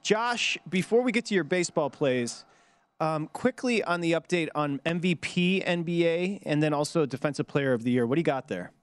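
Male co-host, a bit high-pitched, quick teasing interjections. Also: expressive, clean tone. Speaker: show co-host. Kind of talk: casual sports radio chat.

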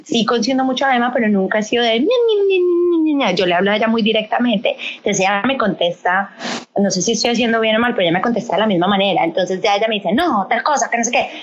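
A woman's voice: medium pitch, fast talker. A woman, telling stories animatedly in casual chat and switching between Spanish and English. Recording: dull lo-fi sound.

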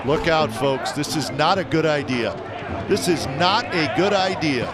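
A man's voice: fairly high pitch, unhurried, loud music behind the voice. A man giving live baseball commentary, urgent and warning the listeners directly. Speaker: baseball play-by-play announcer. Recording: broadcast clip over loud crowd noise.

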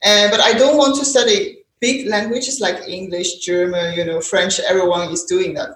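A woman's voice: medium pitch, fairly even intonation, moderate pace, a bit bright. A woman in her thirties from China, a native Mandarin speaker with a Chinese accent, telling her story conversationally as a podcast guest. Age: 30s. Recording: echoey, roomy sound.

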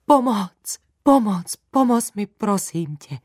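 A woman's voice: lowish voice, warm tone, no room sound, clean studio sound, close to an everyday voice. A woman voicing a frightened young male spider in a children's audio story, begging for help in a panic. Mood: pleading. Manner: pleading, panicked.

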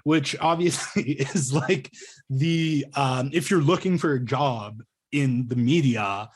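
A man in his thirties from Ontario speaks in a mid-range voice over a video call. He talks casually, hesitating often and restarting his sentences as he explains himself. He comes across as a journalist thinking out loud. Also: medium pitch, takes it slowly. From Ontario, Canada. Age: 30s. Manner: hesitant, many ums and restarts. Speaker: journalist guest. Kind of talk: casual interview conversation.

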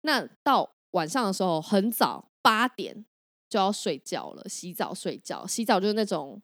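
A woman from Taiwan with a Taiwanese Mandarin accent, co-hosting a podcast and telling stories in an animated, laughing way. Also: mid-range voice, moderate pace. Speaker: podcast co-host. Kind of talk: casual chat.

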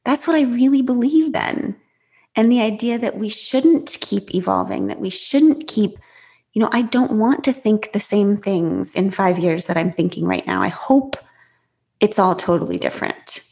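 A woman author with a high-pitched voice, talking fast and openly as a guest in an interview. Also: gravelly. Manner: fast, animated, self-revealing, many restarts. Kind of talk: casual interview talk.

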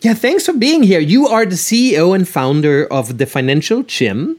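A man's voice: sits high, very animated, moderate pace. A man from Austria hosting an interview podcast, enthusiastic, with many fillers and restarts. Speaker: podcast host.

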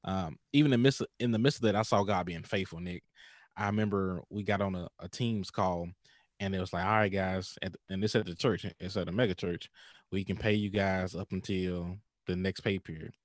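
A man in his thirties with an African American accent, telling stories in an animated, informal way in a casual podcast interview. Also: deep voice, fairly quick, no room sound, studio quality. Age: 30s. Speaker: pastor and podcaster.

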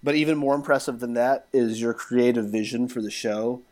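A man's voice: mid-range voice, moderate pace, darkish tone. A man co-hosting a podcast in casual chat, earnestly explaining his arguments. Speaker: podcast co-host.

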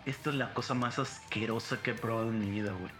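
A man's voice: fairly low pitch, steady tone, fast, a bit bright. A young Mexican man with a Mexican Spanish accent, hosting a podcast and telling crude, slang-heavy stories while acting out the quotes. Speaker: podcast host. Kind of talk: casual chat. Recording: roomy room with music behind.

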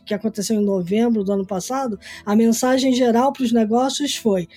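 A woman hosting a podcast, reading a measured scripted intro and then leading the interview. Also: fairly high pitch, warm tone, husky. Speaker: podcast host.

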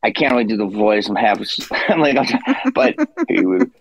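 A man's voice: lowish voice, wildly swooping pitch, moderate pace, no echo, poor audio. A man in his fifties, a guest comedian telling a rambling story in a casual interview, with self-deprecating asides. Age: 50s.

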